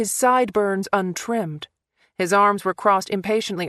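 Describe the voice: Read aloud plainly with fairly even intonation against a quiet background.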